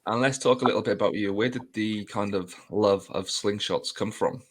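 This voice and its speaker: A male podcast host welcomes and questions a guest in an easygoing, conversational manner. His voice sits somewhat low. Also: moderate pace, breathy edge. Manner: relaxed, conversational, uses fillers like "you know". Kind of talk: podcast interview.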